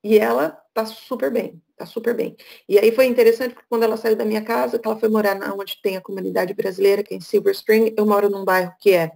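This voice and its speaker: A woman's voice: mid-range voice, fairly even intonation, fast, creaky, darkish tone. A middle-aged woman from Brazil, speaking as a guest speaker over a video call, frank and chatty. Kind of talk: casual talk on a video call.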